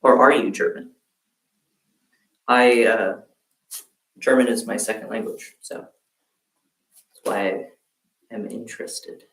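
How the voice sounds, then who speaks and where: A man streaming a relaxed crafting session from home, chatting with viewers in a halting way while he works. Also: on the low side, far from the mic. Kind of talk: casual crafting livestream chat. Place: room at home, quilt behind. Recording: roomy sound from off-mic.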